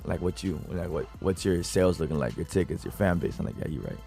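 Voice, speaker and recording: A young man from Puerto Rico, a guest artist, telling his music story in a relaxed interview chat with easy laughs. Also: low-pitched, quick pace, gravelly. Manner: laid-back, laughs between stories.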